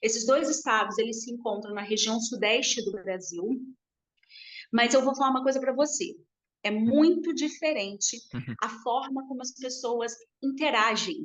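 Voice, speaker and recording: Her pitch high and its variation ordinary, a woman speaks at a moderate pace broken by long, frequent pauses. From Rio de Janeiro, Brazil. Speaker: Portuguese teacher. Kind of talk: interview answer.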